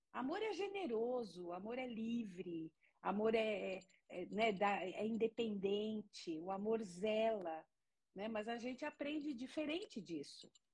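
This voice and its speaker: A very slow, somewhat breathy woman's voice, fairly high in pitch, with lively intonation. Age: 60s. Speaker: psychologist and author. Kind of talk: live-streamed interview. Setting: Instagram live stream.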